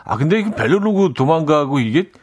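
Male radio host, relaxed banter, bouncy pitch, close studio mic. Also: fairly quick. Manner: easygoing, jokey, reads listener messages. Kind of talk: casual radio chat. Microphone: studio microphone.

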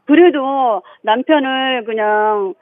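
A middle-aged woman calling into a radio show over the telephone, polite, soft-spoken and giggly. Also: sits high, takes it slowly, no echo. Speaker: caller. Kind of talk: phone call to a radio show. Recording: tinny phone line.

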